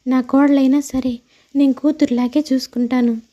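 A woman voicing a kindly, grateful elderly mother-in-law who speaks in an emotional, motherly way in an animated moral story. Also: high-pitched, normal speed, muffled recording, close to an everyday voice. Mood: grateful, welcoming. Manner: emotional, motherly, addressing others fondly.

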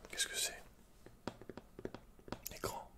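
A young man playing a guarded computer repairman and hacker in a halting, breathy whispered ASMR roleplay. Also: close to an everyday voice. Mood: reserved, matter-of-fact. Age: young adult. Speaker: ASMR creator. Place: small indoor set, dark backdrop.

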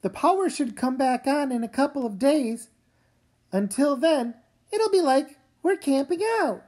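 A woman voicing a weary, gently firm mother with a measured, reasoning manner in a comic read-aloud. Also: high voice, expressive. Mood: reassuring.

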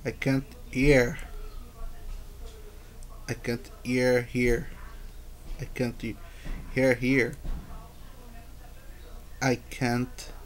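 A man with a Brazilian accent, a native Portuguese speaker, haltingly reading aloud as an English learner and repeating words and phrases. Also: medium pitch. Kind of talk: halting read-aloud pronunciation practice.

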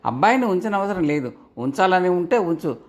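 A man's voice: high-pitched, expressive, moderate pace. A man doing a businesslike jewel merchant. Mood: eager.

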